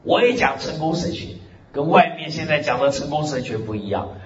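A man's voice: on the high side, animated, brisk. A man preaching a sermon as pastor, emphatic, with frequent hallelujahs and amens. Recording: echoey hall, dull lo-fi sound.

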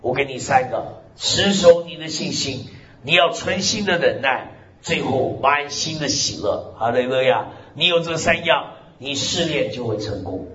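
A man pastor delivers an emphatic sermon, his voice lively and swinging widely in pitch. He punctuates his points with hallelujahs and amens. The recording is lo-fi and roomy, like an echoey church hall. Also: measured pace. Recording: echoey hall, dull lo-fi sound.

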